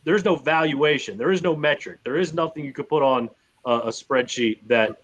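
A man's voice: a little high, moderate pace, lo-fi sound. A man co-hosting a sports podcast in casual conversation, repeating phrases for emphasis.

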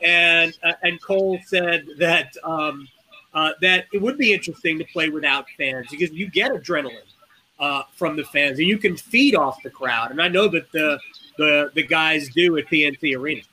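Chatty podcast host guy, high bright voice, lots of uhs. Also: moderate pace, a little hiss or hum, poor audio. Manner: conversational, lots of fillers. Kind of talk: casual podcast chat.

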